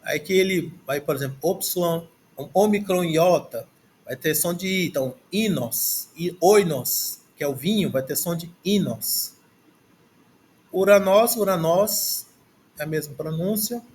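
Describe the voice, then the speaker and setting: A man's voice: a little high, animated, moderate pace, darkish tone. A man with a Brazilian Portuguese accent teaching a language lesson, reading through a textbook and saying words aloud several times as he works out how to say them. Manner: repeats words aloud, thinking as he reads. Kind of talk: slow, halting lesson, going through a textbook. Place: at a desk, screen recording.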